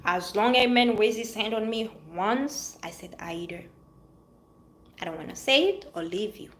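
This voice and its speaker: With a Haitian-French accent, a vlogger from Haiti or France talks earnestly to her viewers about life, repeating phrases to drive them home. Her medium-pitched, fairly bright voice moves at a moderate pace against slight background noise.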